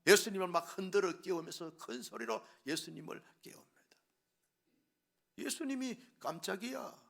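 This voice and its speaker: A middle-aged pastor preaching with a high, bright voice. He tells the story like a drama and acts out the voices. He drops to hushed whispers, then rises to loud cries. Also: animated, normal speed, gravelly. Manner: swings between hushed whispers and loud exclamations. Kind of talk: sermon.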